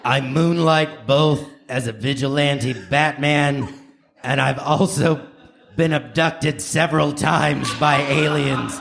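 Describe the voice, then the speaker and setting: A man voicing a gruff, self-important movie vigilante with a deadpan manner in a live comedy radio play. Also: on the high side. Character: gruff movie vigilante confessing alien abductions. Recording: noisy live stage recording.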